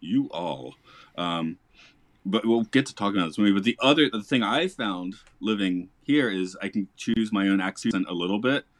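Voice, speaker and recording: A man with a fairly low voice hosts a relaxed podcast chat, and he laughs easily. His talk wanders and restarts as he thinks aloud. The sound is dry and close, with no room in it. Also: brisk, dry recording. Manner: chatty, laughs often, rambling restarts. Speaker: podcast host, English teacher. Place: lives in Japan.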